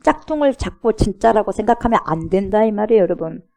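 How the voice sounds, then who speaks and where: Middle-aged woman preacher, gravelly and dark-toned, emphatic sermon delivery. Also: medium pitch, lively intonation, fast. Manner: emphatic preaching with rhetorical questions, mocking imitations of scoffers. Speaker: pastor.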